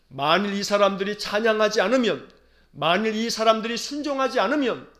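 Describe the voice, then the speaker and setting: A man with a high-pitched voice preaches an early-morning sermon. He talks earnestly, repeating phrases and posing rhetorical questions to his listeners. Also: fairly bright tone. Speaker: pastor.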